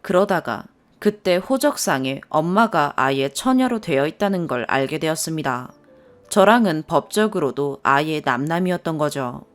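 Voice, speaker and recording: A woman narrating a first-person story in a calm, even reading voice. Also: deep voice, moderate pace. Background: soft background music.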